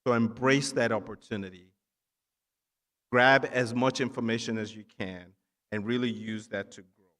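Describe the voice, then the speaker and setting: A man who grew up in Nigeria addresses students from the stage in a mid-pitched voice. He encourages them with emphatic phrases broken by short pauses. The sound carries the long reverb of a large hall. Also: steady tone, a bit bright. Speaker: keynote speaker, physician assistant. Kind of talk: ceremony keynote speech to students. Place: large indoor hall at a ceremony.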